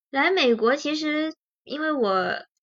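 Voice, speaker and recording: Lively intonation marks this woman's speech at a very slow pace. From China. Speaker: social worker, podcast host. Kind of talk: casual chat.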